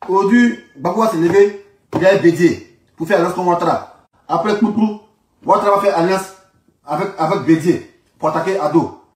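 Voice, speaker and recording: A man's voice: high-pitched, normal speed, long pauses. A man with an Ivorian accent delivering an informal political rant in an emphatic, repetitive, indignant manner. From Ivory Coast. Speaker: online political commentator. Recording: roomy echo, distant microphone.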